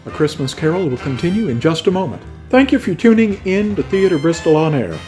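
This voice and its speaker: A man's voice: on the high side, big pitch swings, a little fast, warm tone, faint music behind. A man announcing a radio drama broadcast and its sponsors in an old-time radio style.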